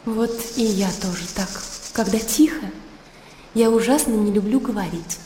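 A woman's voice: medium pitch, normal speed, mellow, a little hiss or hum, lightly acted. An actress playing an earnest, dreamy young woman in a radio drama. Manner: earnest, pensive, lightly playful. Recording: roomy studio reverb with background sound.

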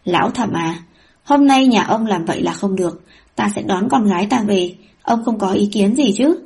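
A woman's voice: mid-range voice, normal speed, gravelly, a little mellow, husky. A woman voicing a stern middle-aged male sect leader and doting father.

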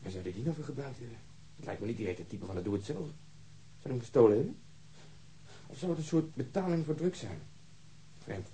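An actor playing a stern, methodical police investigator in a radio drama, curt and matter-of-fact, with a rough husky voice. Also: male voice, medium pitch, expressive, fast, pauses often, mellow, slight background noise, lightly acted, low-quality recording. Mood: musing, dry. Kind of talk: naturalistic Dutch radio drama acting.

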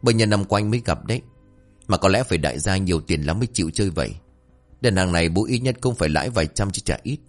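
A man voicing a rowdy young ex-soldier who wheedles his sister for money in a brash, rapid-fire manner. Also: low-pitched, animated, soft background music.

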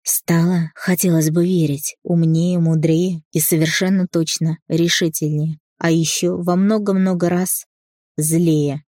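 A woman reading a first-person novel aloud as an audiobook narrator, in an even storytelling manner. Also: fairly low pitch, measured pace, no echo, studio quality.

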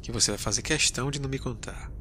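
A man's voice: medium pitch, quick pace, pushed and bright, slight background noise, close to an everyday voice. A man voicing a weary male space explorer captain in an audio drama, sarcastic and easily exasperated. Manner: grumbling, sarcastic, sighing.

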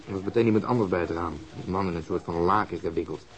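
An actor playing a blunt, hot-tempered police inspector in a Dutch radio drama. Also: male voice, sits low, fast, close to an everyday voice. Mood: grim, recounting. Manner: blunt, irritable, swearing. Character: gruff, hot-tempered police inspector who rescued fire victims.

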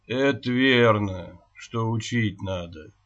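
Terse gruff peasant husband, read by the narrator, low and muffled. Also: male voice, animated, takes it slowly, fairly bright tone, heavily acted. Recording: dull lo-fi recording.

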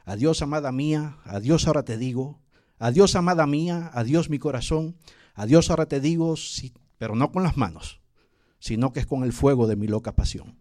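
A man's voice: medium pitch, normal speed, dark tone. An older man, a poet, reciting verse in a solemn, declamatory way at a live cultural event. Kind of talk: dramatic poetry recitation.

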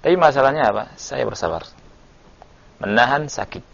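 A tough, proud wrestler from an old Arab tale speaks in a stoic, boastful way, as a gravelly-voiced male teacher quotes him. His voice is raspy and a little higher than the teacher's usual talk. It sits on a dull, lo-fi lesson recording. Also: expressive, moderate pace, a bit bright.

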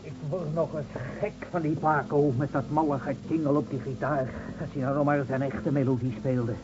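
An actor playing a hot-tempered, sarcastic village gendarme who complains in a radio play. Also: male voice, fairly high pitch, flat delivery, normal speed, music in the background, close to an everyday voice. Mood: irritated, grumbling. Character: grumbling, hot-tempered village gendarme, sour about his transfer. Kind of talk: Dutch radio play acting. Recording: dull, muffled old radio recording.

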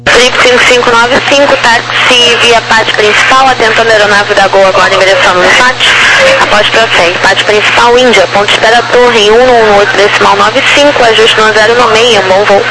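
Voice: medium pitch, fairly even intonation, a little fast. An air traffic controller with a Brazilian accent, heard over two-way aviation radio, giving terse routine instructions in clipped radio phrasing and politely adding please. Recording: loud static over a radio channel.

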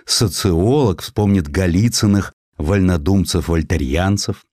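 Deep-voiced man narrating with lively intonation. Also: no room sound, studio quality. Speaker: audiobook narrator. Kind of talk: scripted literary narration of a historical essay.

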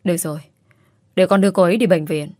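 A woman's voice: fairly low pitch, steady tone, fast, warm tone, no echo, studio quality, natural voice. A woman voicing an earnest young husband who speaks urgently and firmly.

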